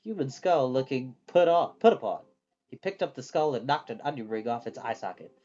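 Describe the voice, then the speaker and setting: A storyteller reading a children's book aloud in an expressive, animated way, acting out the dialogue. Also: medium pitch, brisk, highs cut off.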